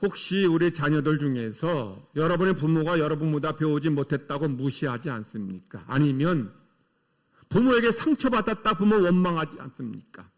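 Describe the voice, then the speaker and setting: Male pastor, middle-aged, preaching in church; voice sits high and swings widely, emphatic with rhetorical questions. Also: expressive, moderate pace. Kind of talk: sermon. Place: church sanctuary.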